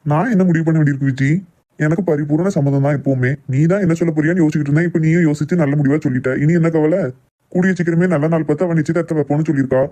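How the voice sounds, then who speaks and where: A man's voice: on the high side, fairly even intonation, rapid-fire, mellow, natural voice. A man voicing a stubborn, protective middle-aged village father in a cartoon family drama, assertive, with a Tirunelveli Tamil accent. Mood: confident, reassuring. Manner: assertive, dismissive of objections.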